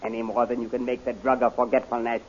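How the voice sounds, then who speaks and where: Man acting as boastful military villain, hot-headed, blustering, medium-pitched, 1930s radio serial, muffled hissy sound. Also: level tone, fast, close to an everyday voice. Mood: scheming. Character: hot-headed, boastful male general serving a queen.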